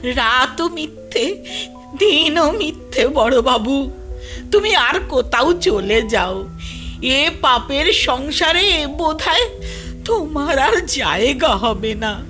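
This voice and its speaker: Woman acting high, piercing loyal old-household maidservant. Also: big pitch swings, takes it slowly, sharp tone, full character voice. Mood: tearful pleading. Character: loyal, anxious long-serving village maidservant. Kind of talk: dramatised storybook reading. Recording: music behind the voice.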